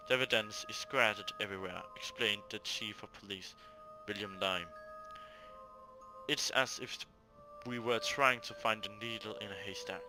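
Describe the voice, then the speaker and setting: A man reading out a serious news report from a visual novel, in a slightly halting way. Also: fairly low pitch, music in the background, natural voice, poor audio. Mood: sober. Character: sober newspaper reporter on a mass killing.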